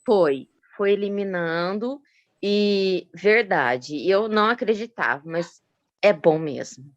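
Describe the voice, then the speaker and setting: A woman guest chatting casually about her experience, animated and talkative. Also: mid-range voice, slow, no room sound, muffled recording. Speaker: guest giving testimonial. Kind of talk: casual chat.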